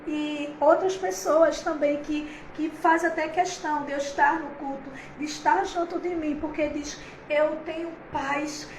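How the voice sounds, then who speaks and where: A woman's voice: high-pitched, steady tone, measured pace, reverberant, slight background noise, rough recording. A woman pastor, preaching a heartfelt, conversational sermon on a livestream, with many fillers.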